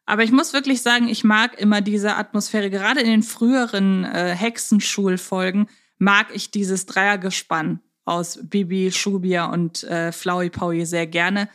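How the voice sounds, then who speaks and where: A woman speaks as a podcast co-host in a casual discussion. Her delivery is conversational and unscripted, with the sense that she is thinking out loud as she goes. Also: mid-range voice, fairly even intonation, unhurried, hardly any pauses. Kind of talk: casual podcast discussion of an audio drama series.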